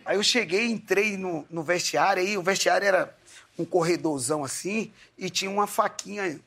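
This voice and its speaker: Bright, high-voiced man telling anecdotes. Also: normal speed, creaky. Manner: animated anecdotes, acts out quoted lines. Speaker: guest, former footballer. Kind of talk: casual storytelling chat.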